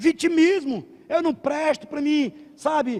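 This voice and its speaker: A man speaks with an extremely high pitch. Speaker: pastor. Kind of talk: sermon.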